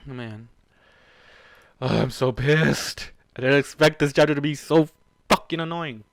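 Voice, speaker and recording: A man's voice: fairly high pitch, measured pace, gravelly, dry recording. A man reading fan fiction aloud, moving between story narration and casual, exasperated, swearing commentary. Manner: profane, exasperated, emotionally invested asides. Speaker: fan fiction reader and reactor.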